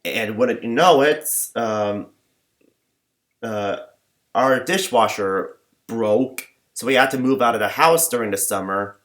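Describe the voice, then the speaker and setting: A young man rambling in a personal vlog, talking in a flat monotone with many fillers and false starts. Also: medium pitch. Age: young adult. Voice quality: limited, flat range. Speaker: vlogger.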